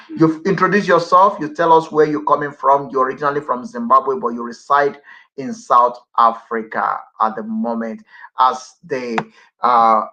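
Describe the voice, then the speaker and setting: A man's voice: medium pitch, pushed and bright, dull audio. A man hosting an online radio interview show, talkative and prone to repeating himself. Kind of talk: broadcast interview.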